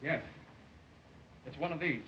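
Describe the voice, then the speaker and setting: An actor playing a scheming male jewel thief in a stagey, theatrical early-talkie film style, giving instructions smoothly. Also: fairly high pitch, measured pace, sharp tone. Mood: conspiratorial. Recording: muffled, hissy 1920s film soundtrack, distant mic.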